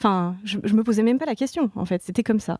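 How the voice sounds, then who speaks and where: A woman's dark, mellow tone at a fairly high pitch, with ordinary pitch variation, comes through a very clean recording with a silent background, dry and close with no echo. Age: 40s. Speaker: hypnotherapist. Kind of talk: casual interview chat. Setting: at home on a sofa.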